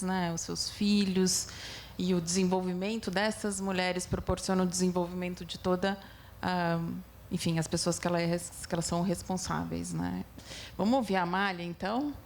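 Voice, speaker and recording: A woman moderates a discussion panel, her voice carrying a marked creaky fry. She speaks conversationally, checking in with the audience through small tag questions. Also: mid-range voice, a little hiss or hum. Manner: conversational, tags remarks with "né".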